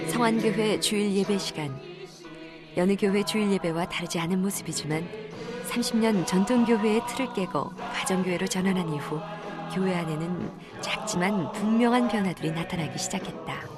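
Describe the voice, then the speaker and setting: Music plays behind a woman speaking at a medium pitch. Her pitch varies in an ordinary way. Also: moderate pace. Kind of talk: documentary narration.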